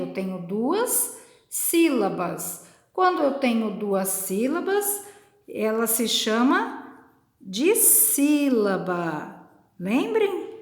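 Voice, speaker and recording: A woman teacher from Brazil, slowly and patiently explaining a lesson to children step by step. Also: a little high, roomy sound. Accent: Brazilian Portuguese.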